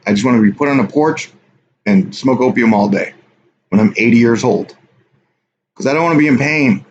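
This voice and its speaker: Man, mid-pitch, casual livestream host, rambling and offhand, dull lo-fi audio with faint hiss. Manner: rambling, offhand, reads chat aloud. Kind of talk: casual live stream chat with viewers.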